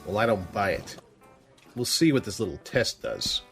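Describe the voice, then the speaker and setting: An actor playing a cranky, harried police boss in an audio drama, grumbling with weary sarcasm. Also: male voice, fairly low pitch, expressive, normal speed, fairly bright tone, soft background music. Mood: weary, exasperated.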